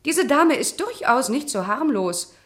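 A woman's voice: high voice, big pitch swings, unhurried, fairly bright tone, heavily acted. An actress playing a cool, composed woman of a villa household in a radio crime drama, formal and explanatory.

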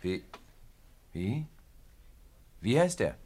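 A man's voice: fairly low pitch, big pitch swings, very slow, mellow, husky, full character voice. An actor playing a kindly, thoughtful grown man in a radio play, a genial mentor with a lightly teasing, sometimes hesitant way of talking. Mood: hesitant, startled. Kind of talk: German radio play acting.

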